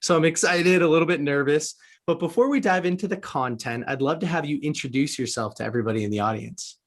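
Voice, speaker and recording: A man's voice: fairly high pitch, fast. Articulate man hosting an upbeat podcast. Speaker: podcast host interviewer. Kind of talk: conversational podcast interview.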